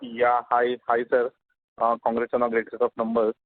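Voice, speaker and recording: A man speaks hesitantly over a phone line whose audio keeps glitching and breaking up. His voice sits in a middling pitch and sounds thin and tinny, squeezed through a narrow telephone band. He stalls often with fillers as he starts his question. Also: monotone, moderate pace. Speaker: analyst caller on an earnings call. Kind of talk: phone question to company management. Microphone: telephone handset.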